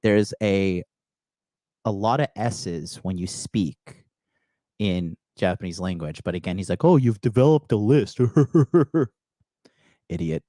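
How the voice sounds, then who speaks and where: A man's voice: lowish voice, lively intonation, takes it slowly, long pauses, dark tone, dry recording, clean studio sound. A man hosting a reaction show, commenting bluntly and mockingly on a played clip.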